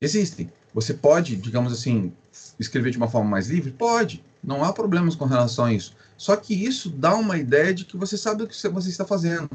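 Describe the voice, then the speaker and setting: Moving at a fairly quick pace, a man with a fairly high pitch makes very wide pitch swings. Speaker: Portuguese writing teacher. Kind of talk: online class. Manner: fast.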